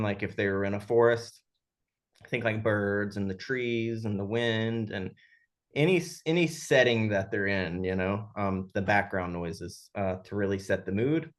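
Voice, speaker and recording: A man speaking casually and haltingly as a sound designer in an interview, thinking aloud as he explains. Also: on the low side.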